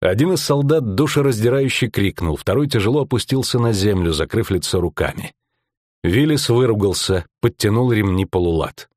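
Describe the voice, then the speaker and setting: A man reading an audiobook with measured, dramatic narration. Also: on the low side, animated, darkish tone, dry recording, clean studio sound. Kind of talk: scripted narration.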